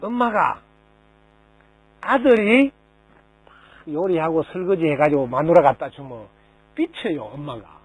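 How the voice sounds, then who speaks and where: Male buddhist monk, dharma talk, high voice, swooping intonation, storytelling, rhetorical questions. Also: a little slow, long pauses, dry recording, rough recording. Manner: lively storytelling, rhetorical questions, mimics people in quotes. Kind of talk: dharma talk to a lay audience.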